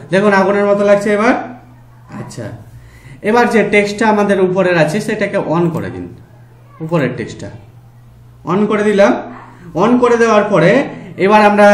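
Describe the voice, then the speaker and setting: Man slowly walking through software steps. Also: sits high, roomy sound. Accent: Bengali. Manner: slow step-by-step instructions, fillers. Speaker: tutorial host. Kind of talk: screen-recorded software tutorial.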